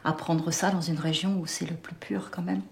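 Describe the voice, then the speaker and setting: Low-pitched woman in an echoey room. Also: steady tone, moderate pace, a little mellow, slight background noise. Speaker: host of foreign language students. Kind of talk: casual conversation. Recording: echoey room, clinking dishes.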